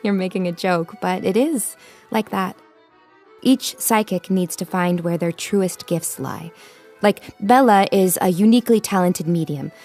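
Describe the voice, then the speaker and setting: An actress playing a playful, confident young psychic tarot reader in an audio comedy, with an American accent and a teasing, dryly amused manner. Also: female voice, lowish voice, a little slow, darkish tone, faint music behind. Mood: assured. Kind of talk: audio drama comedy acting, conversational.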